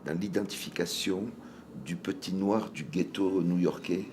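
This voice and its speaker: A man's voice: low voice, unhurried, a little mellow, a little hiss or hum. A man in a documentary interview clip, speaking casually.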